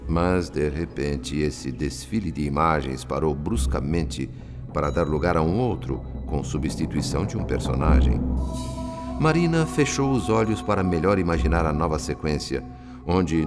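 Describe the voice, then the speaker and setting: A Brazilian actor playing a calm, compassionate male spirit who narrates a radio drama in a solemn, deliberate, literary manner. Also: a bass voice, over music. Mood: solemn, reflective.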